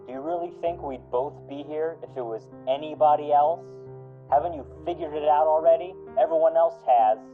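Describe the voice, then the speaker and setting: Man playing a gruff cop, tinny phone-like sound. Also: fairly high pitch, moderate pace, natural voice. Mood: angry accusing. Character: gruff, embittered police officer newly in charge, Smith. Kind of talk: amateur radio drama acting. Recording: thin phone-like sound, music behind.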